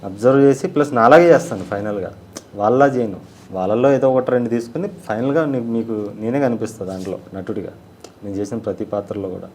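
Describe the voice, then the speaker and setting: A man's voice: fairly low pitch, fast talker, a little mellow. A man, a film director and actor, answering interview questions in a blunt, self-assured and emphatic way.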